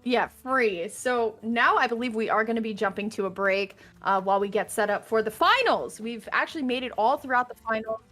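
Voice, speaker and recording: Young female esports host, slightly high voice, upbeat with lots of ums, faint music behind. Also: fairly quick, few pauses, a bit bright. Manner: upbeat, filler-heavy hosting. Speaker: esports caster and interviewer. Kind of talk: live stream commentary.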